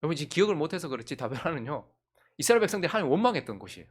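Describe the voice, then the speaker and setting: Gyeongsang woman pastor, lively swooping pitch, rhetorical questions to the pews. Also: rapid-fire, slightly rough. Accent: Gyeongsang Korean. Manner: animated, full of rhetorical questions to the congregation. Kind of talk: sermon.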